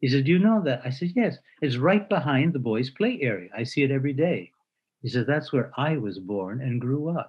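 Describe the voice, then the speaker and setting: With an American accent, a man speaks at a moderate pace in a medium, somewhat breathy voice. His pitch swings very widely. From US Northeast, Gardner, Massachusetts. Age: 70s. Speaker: bishop. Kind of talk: interview storytelling.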